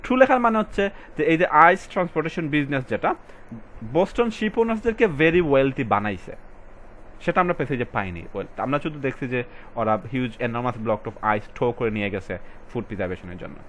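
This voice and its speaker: Tutor reading English words slowly. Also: male voice, mid-range voice, animated, fairly bright tone, slight background noise. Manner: switches between Bengali and English, reads passage lines slowly and stresses words; addresses students directly, casual colloquial. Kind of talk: recorded exam-prep lesson.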